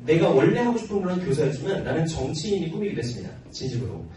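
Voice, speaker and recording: Rapid-fire and very animated, this slightly high, warm-toned man in his early forties is a cram school teacher fielding students' questions casually, joking and laughing often while staying earnest. He uses a handheld mic in a large classroom of students, filmed by a tripod camera at the back, so the sound is roomy, distant, and noisy.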